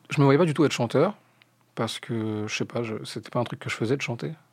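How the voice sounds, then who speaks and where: Recorded very cleanly against a silent background, a man with a medium pitch talks at a very fast pace. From grew up abroad, Asia and Morocco. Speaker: rapper. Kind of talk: casual interview. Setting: studio.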